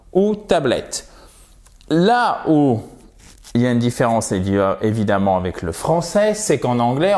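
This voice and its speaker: A man giving a recorded lesson over slides, emphatic, slowing down to model English words and their stress. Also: mid-range voice, a little mellow. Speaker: English teacher.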